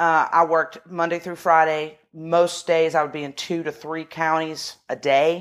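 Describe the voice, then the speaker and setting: A woman with a normal speaking voice, fairly low in pitch, at a fairly slow pace. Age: 30s. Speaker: criminal defense lawyer. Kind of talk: interview conversation. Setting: her law office.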